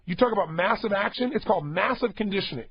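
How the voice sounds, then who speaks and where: A man's voice: high-pitched, fast, husky, dry recording, highs cut off. A man giving a motivational talk to a studio audience, emphatic, repeating himself and urging listeners to act. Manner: emphatic, repetitive and exhorting. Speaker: motivational speaker.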